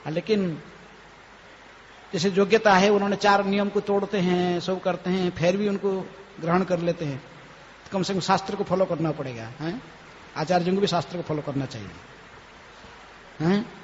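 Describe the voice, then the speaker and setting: A man, a swami, giving a devotional lecture, often tagging his phrases with a questioning "hain?" and chanting scripture verses slowly. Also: high voice. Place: temple hall. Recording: reverberant hall, dull lo-fi, faint noise.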